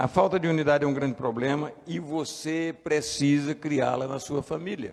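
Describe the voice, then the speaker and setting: Someone speaks at a moderate pace with ordinary pitch variation over noticeable background noise. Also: man, fairly high pitch for a man. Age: 70s. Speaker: deacon preacher. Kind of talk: sermon.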